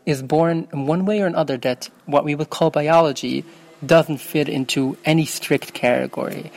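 A young New York woman whose native language is Yiddish answers interview questions as a guest. Her voice sits low with a darkish tone, and she speaks earnestly, often correcting herself.

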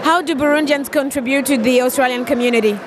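A woman's voice: high-pitched, fairly even intonation, fast. A woman interviewing festival-goers, friendly and upbeat. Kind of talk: vox pop interviewing. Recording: noisy outdoor festival with crowd.

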